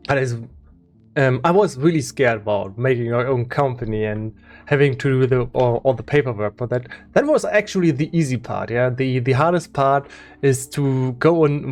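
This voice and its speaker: A German-accented man talks through game development on a live stream, in a middle-pitched voice. He halts often, restarting his words with plenty of fillers and chuckles, while faint music plays behind him. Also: a little mellow. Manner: halting, many restarts and fillers, laughs often. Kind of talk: casual live-stream chat.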